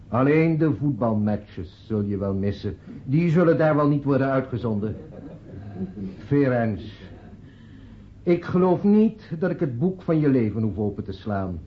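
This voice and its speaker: An actor in a radio play voicing a sentimental friend giving a solemn funeral eulogy, declamatory and deliberate with dramatic pauses. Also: male voice, a little high. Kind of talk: Dutch radio drama acting. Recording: dull, muffled radio play recording.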